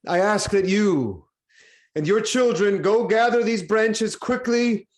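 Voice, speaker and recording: An actor playing a troubled, grave king in a live reading of Greek tragedy, with weighty, deliberate delivery. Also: high voice. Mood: urgent. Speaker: actor giving a dramatic reading. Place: online video call.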